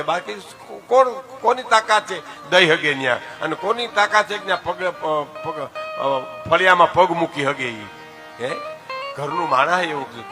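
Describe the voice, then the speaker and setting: An older man with a Gujarati accent, telling folk stories and giving moral advice to an audience, often calling them "saheb" and reciting couplets with emphasis. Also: high-pitched. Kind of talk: dayro folk storytelling and moral talk.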